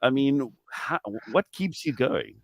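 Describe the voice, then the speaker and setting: A man hosting a radio interview, chatty and animated, often laughing. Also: medium pitch, slow, vocal fry, dry recording, studio quality. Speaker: radio host. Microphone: studio microphone.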